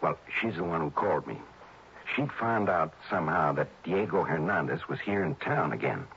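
An actor playing an earnest, worried male friend who explains in halting, hesitant phrases in an old radio drama. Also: sits low, expressive, fairly bright tone, slight background noise. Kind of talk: 1950s-60s radio drama acting. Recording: dull old radio broadcast.

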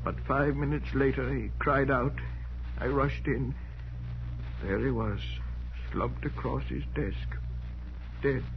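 An actor playing a deferential, precise household servant, speaking politely and gravely in 1940s radio drama style. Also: male voice, medium pitch, steady tone. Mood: grave recounting. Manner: polite, formal, measured. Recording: muffled, noisy 1940s radio recording.

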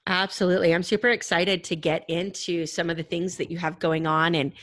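A woman's voice: fairly low pitch, little pitch movement, fairly quick, a bit bright, no room sound. A woman hosting a podcast interview, chatting in an upbeat, friendly way. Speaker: podcast host. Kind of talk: casual interview.

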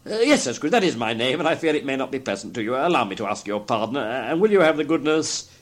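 A man's voice: medium pitch, big pitch swings, fast. A man voicing an elderly reformed miser from a classic storybook, gleeful, courteous and effusively kind, with eager, exclamatory speech. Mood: earnest, apologetic. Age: older. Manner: exclamatory, eager, old-fashioned politeness.

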